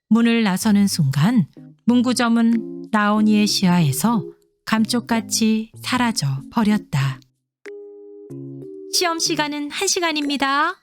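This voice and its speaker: A woman narrating a scripted children's story, reading aloud expressively as if to young children. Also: medium pitch. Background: soft instrumental music.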